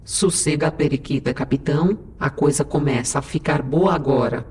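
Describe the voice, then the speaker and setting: A woman's voice: low voice, normal speed, darkish tone, a little hiss or hum, lightly acted. A woman voicing a sassy female AI first officer on a starship in an audio drama, sly and mock-sweet with her captain. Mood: smug. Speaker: ship's digital assistant.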